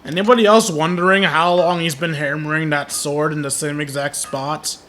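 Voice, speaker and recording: A man's voice: fairly high pitch, steady tone, moderate pace, bright, forceful tone, a little hiss or hum. A man giving casual, joking live-stream commentary on a game, chatting to his viewers.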